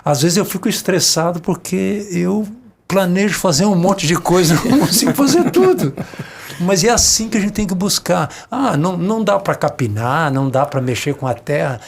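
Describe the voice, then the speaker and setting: An earnest man who grew up in the Brazilian countryside talks reflectively on a panel. His voice sits a little high but carries a gravelly rasp. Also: expressive, moderate pace, slight background noise. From rural Brazil. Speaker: panel guest. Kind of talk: casual panel conversation.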